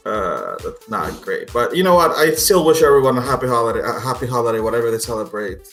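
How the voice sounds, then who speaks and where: A man's voice: mid-range voice, expressive, moderate pace, long pauses, a bit bright. A man narrating a tabletop game casually as game master, in a playful, jokey manner. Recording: roomy echo, music behind.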